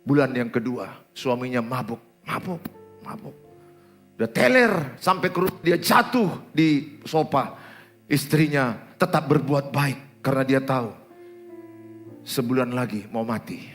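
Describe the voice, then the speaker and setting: A male pastor, telling a story in a lively, colloquial sermon. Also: mid-range voice, a little slow, soft background music. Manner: animated, colloquial, acting out voices.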